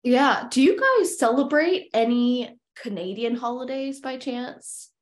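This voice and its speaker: A woman's voice: on the high side, expressive, measured pace. A young woman hosting a podcast interview, chatting casually with many fillers and restarts. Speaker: podcast host.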